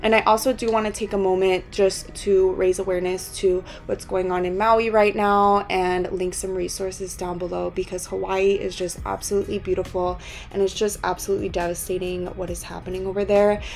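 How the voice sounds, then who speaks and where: A young woman in her twenties talks through a travel vlog in an easy, chatty way. Her voice is hoarse and worn, and she rambles on, slipping small laughs in between her phrases. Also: mid-range voice, little pitch movement, brisk, darkish tone, faint music behind. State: hoarse, lost voice. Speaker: travel vlogger. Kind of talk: casual vlog voice-over and to-camera talk.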